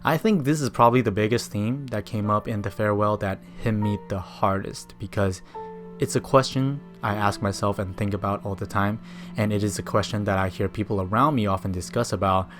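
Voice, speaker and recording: A low-pitched man narrates a scripted film essay. He speaks fluent second-language English in a reflective, personal way, with music playing behind him. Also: fairly quick. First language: Mandarin. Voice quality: non-native but fluent English. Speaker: video essayist.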